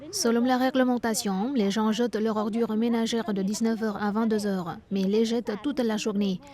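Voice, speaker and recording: A woman's voice: fairly high pitch, steady tone, moderate pace, dark tone, lightly acted. A woman reading a voice-over translation of a street interview in a news report.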